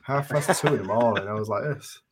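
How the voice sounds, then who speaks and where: A man's voice: fairly low pitch, fairly quick, crowd noise. A man with a British accent chatting casually as a podcast guest. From United Kingdom. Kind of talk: casual chat.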